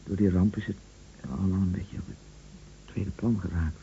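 An actor playing an anguished bedridden husband in a Dutch radio play, brooding and halting, often repeating his words and dropping to whispers. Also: low-pitched, steady tone, gravelly, dark tone. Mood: dazed, distraught. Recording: dull, noisy old radio recording.

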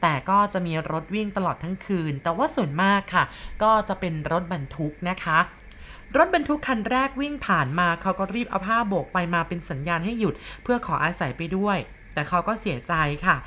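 A woman narrating a ghost story in a polite, steady way, often softening her sentences. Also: mid-range voice, a little fast, a little hiss or hum.

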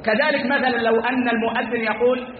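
A man teaching a religious lesson, speaking slowly and repeating key phrases for emphasis. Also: extremely high pitch, fairly even intonation, a little hiss or hum. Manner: addresses listeners as brothers; slow and deliberate, drawing out words. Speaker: Islamic scholar teaching a class. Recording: echoey hall over tinny lo-fi line.

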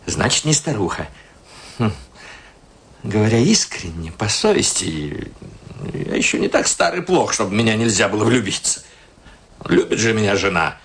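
A man's voice: on the low side, very animated, normal speed, pauses often. An actor playing a self-important, easily flustered middle-aged married man in a radio play, muttering to himself with theatrical hesitation. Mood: self-flattering. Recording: radio play with music underneath.

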